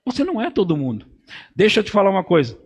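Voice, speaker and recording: High-voiced Brazilian pastor preaching. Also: male voice, huge pitch swings, racing, breathy edge. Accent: Brazilian Portuguese. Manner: swings from quiet asides to loud shouted emphasis; playful, mimics voices and laughs with the congregation. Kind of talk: sermon.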